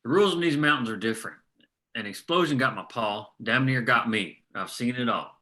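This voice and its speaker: A man playing a gruff, world-weary, foul-mouthed veteran coal miner in a screenplay table read, with a sardonic, folksy delivery. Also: mid-range voice, brisk, bright, forceful tone, close to an everyday voice. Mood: bitter.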